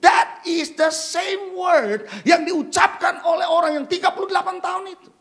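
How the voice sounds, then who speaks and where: A man's voice: extremely high pitch, normal speed, vocal fry, fairly bright tone. A male pastor preaching an emphatic sermon, firing rhetorical questions at the congregation and slipping English phrases into his talk.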